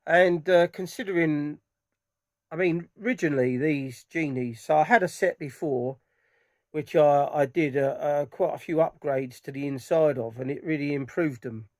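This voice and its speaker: A middle-aged man giving rambling, enthusiastic impressions of loudspeakers from a dark room at home. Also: a little high, no echo, studio quality. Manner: rambling, enthusiastic, many restarts. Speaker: audio hobbyist vlogger. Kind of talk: casual product impressions.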